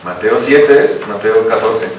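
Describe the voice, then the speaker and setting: A male pastor from Colombia preaching a lively sermon, asking questions of the congregation and reading scripture aloud. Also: fairly low pitch, measured pace, slight background noise. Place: church hall. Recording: echoey church hall, mic from a distance.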